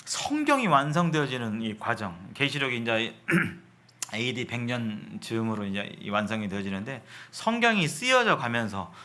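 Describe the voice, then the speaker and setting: A man delivers a sermon in a bright, forceful voice at a middling pitch. He explains as he goes, circling back to repeat and rephrase his words. He puts rhetorical questions to the congregation. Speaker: preacher.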